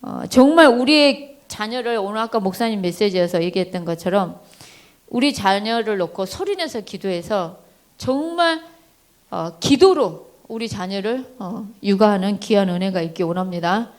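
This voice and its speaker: A woman giving a sermon-style talk on parenting to a church congregation, animated, acting out voices and addressing listeners directly. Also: medium pitch, normal speed. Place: church service.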